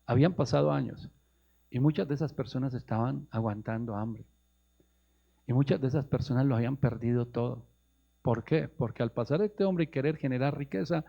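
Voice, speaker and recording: A Colombian man preaching with a gravelly, mid-pitched voice that climbs into urgent, emphatic questions. He talks straight to his listeners as brothers, pressing each point home. The sound is muffled and lo-fi, like an AM radio broadcast. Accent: Colombian Spanish. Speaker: pastor. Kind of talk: sermon.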